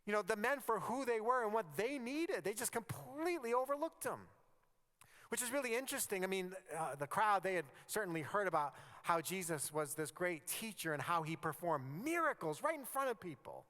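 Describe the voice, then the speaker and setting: A male pastor preaches in a lively, conversational way, and his voice sits a little high. He swings his pitch widely and sometimes sinks to a hush for effect. The long reverb of a church hall trails after his words. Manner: animated, conversational preaching that drops to near-whispers for emphasis. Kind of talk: sermon. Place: church sanctuary.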